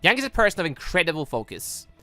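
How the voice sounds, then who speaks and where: A gamer voicing a defiant, sharp-witted teenager in an anime visual novel, indignant and challenging. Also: medium pitch, very animated, fast, soft background music. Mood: probing, insistent.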